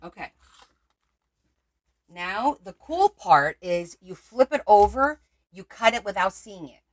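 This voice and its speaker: A woman's voice: medium pitch, lively intonation, slow pace. A woman from Portugal hosting a crafting livestream, thinking aloud as she works and answering viewer comments. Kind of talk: casual crafting livestream chat.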